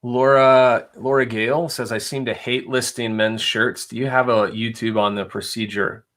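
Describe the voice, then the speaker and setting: A man's voice: mid-range voice, level tone, normal speed, a bit bright. A young adult man hosting a casual live stream, chatting in a rambling way and reading viewer questions aloud. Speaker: reseller livestream host.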